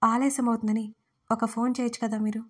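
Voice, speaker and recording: A woman's voice: on the high side, level tone, fairly quick, husky. A woman voicing a tearful, desperate young woman in love, pleading in a crying voice in an audio story.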